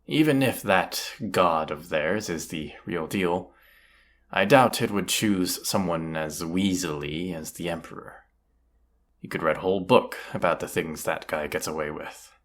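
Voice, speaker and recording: A man's voice: deep voice, measured pace, a bit bright. A man playing a cocky, teasing, commanding bandit leader in a roleplay audio drama, casual and swaggering. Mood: scheming, skeptical. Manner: casual, teasing, swaggering, rhetorical tag questions.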